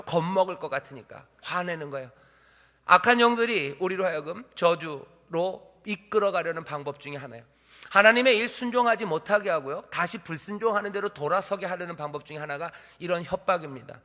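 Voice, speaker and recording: A man's voice: high-pitched, pushed and bright. A male pastor preaching a sermon in a church hall. He asks the congregation rhetorical questions and acts out quotes.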